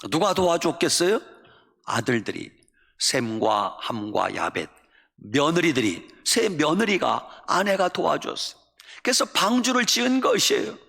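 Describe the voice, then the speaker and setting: A man's voice: high voice, creaky, pushed and bright. A male pastor preaching a sermon, telling a story animatedly and asking the congregation questions. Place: church sanctuary. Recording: echoey church hall.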